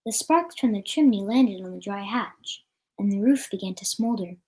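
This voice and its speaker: A woman's voice: medium pitch, animated, moderate pace, a little mellow. A woman reading a children's story aloud as a storyteller, with an occasional stumble over the words.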